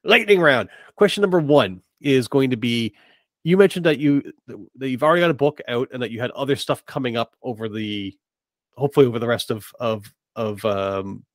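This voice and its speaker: Man, average pitch, dry sound, casual podcast interviewer, halting, repeats words. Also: dry recording. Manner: halting, repeats words while forming questions.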